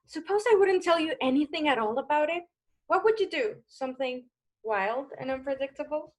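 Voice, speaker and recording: A woman's voice: high-pitched, expressive, normal speed. A woman playing an anxious, seductive, manipulative femme fatale in a 1940s noir radio play, coy and dramatic in her delivery. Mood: coy, challenging. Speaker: voice actor.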